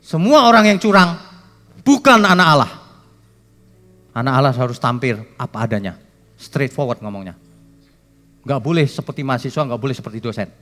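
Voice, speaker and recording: A man preaching a sermon as pastor, emphatic and joking with the congregation, his voice swinging from loud to soft. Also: medium pitch, expressive, moderate pace, long pauses, in a large hall, faint music behind. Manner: jokes with the congregation.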